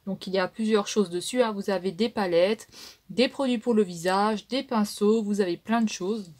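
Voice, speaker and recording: A woman's voice: mid-range voice, normal speed, darkish tone. A woman with a French accent casually reviewing makeup palettes, chatty and full of fillers. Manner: chatty, many fillers and "donc". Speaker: beauty vlogger.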